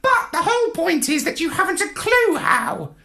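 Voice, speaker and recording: A storyteller voicing a bossy, clever male parrot commander who talks in a shrill, scornful, know-it-all way. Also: big pitch swings, moderate pace, gravelly, sharp tone, exaggerated voice. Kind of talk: storybook read-aloud.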